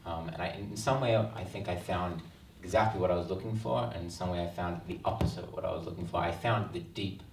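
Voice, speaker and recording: An Australian man in his thirties, an author speaking earnestly at a book launch, with many ums and pauses. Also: deep voice, vocal fry, slight background noise. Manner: earnest, reflective, frequent ums. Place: event hall. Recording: roomy hall sound, mic at a distance.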